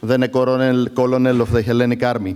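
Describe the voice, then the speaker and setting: A man speaks at medium pitch with a Greek accent. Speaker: geopolitics professor. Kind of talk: panel talk. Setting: hall with audience. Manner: halting.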